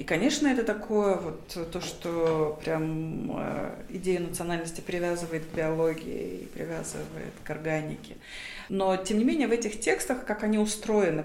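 A woman's voice: on the low side, darkish tone. Thoughtful woman in an echoey room. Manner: thoughtful, hesitant, many fillers and restarts. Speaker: academic guest. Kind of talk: reflective interview answers. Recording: roomy echo.

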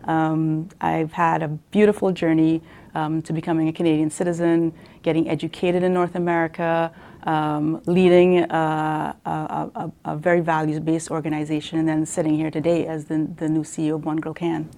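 A woman's voice: sits low, level tone, moderate pace, mellow. A woman from Trinidad, a guest on an interview show, answering thoughtfully and earnestly, with frequent ums and small restarts as she gathers her thoughts. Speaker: guest, nonprofit CEO.

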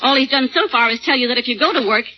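A tart, fast-talking secretary. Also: female voice, high voice. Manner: brisk, tart, sarcastic. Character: brisk, sharp-tongued secretary friend Daisy. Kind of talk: 1940s radio acting. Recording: dull old radio recording.

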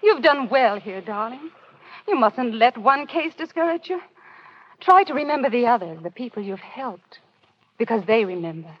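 An actress playing a devoted young wife from a small town, warm and reassuring, in an old radio drama. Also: female voice, a little high, big pitch swings, normal speed. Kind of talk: 1930s radio drama acting. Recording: dull old radio broadcast.

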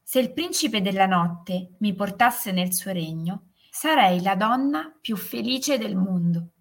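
A woman voicing a young girl who longs to dance, pleading in a raised, bright voice. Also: medium pitch, lively intonation, takes it slowly. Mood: dreamy.

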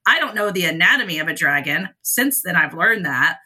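A woman's voice: fairly low pitch, expressive, fairly quick, bright, forceful tone, husky. A woman guest author chatting casually on a podcast, talkative and self-deprecating.

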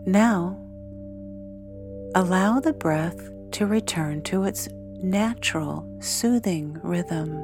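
At a very unhurried pace, a woman with a slightly low voice leads a meditation, speaking soothingly in short, measured phrases separated by long pauses. Behind her, clear meditation music with singing bowl tones plays.

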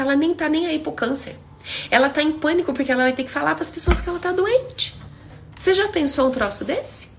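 A Brazilian-accented woman in middle age, holding forth on a live stream as a therapist. Her voice sits fairly high and swoops up and down with lively expression. She talks bluntly and with emphasis, playing out little exchanges as she goes. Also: gravelly. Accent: Brazilian Portuguese. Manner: blunt, emphatic, acts out dialogue. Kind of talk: casual live-stream monologue.

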